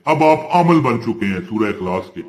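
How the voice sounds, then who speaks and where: A man's voice: lowish voice, lively intonation, normal speed, darkish tone. A male Islamic preacher giving a devotional talk, chanting Quranic verses in a rising tone between plain explanations and answering his own questions. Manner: asks questions and answers himself. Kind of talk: devotional talk on a prayer practice. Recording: roomy echo.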